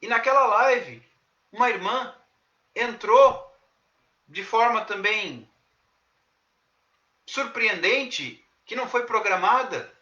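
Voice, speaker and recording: A man preaching as a pastor, telling a testimony in an earnest, preacherly way with dramatic pauses. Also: high-pitched, expressive, sharp tone, dull audio. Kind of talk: devotional testimony sermon. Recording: echoey room.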